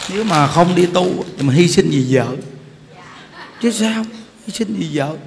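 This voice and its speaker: High-voiced monk in an echoing temple hall. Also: male voice, lively intonation, measured pace, vocal fry. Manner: chatty storyteller, often laughs and asks the audience "hiểu không?". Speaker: Buddhist monk giving a dharma talk. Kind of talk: informal sermon with anecdotes. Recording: reverberant hall with faint background noise.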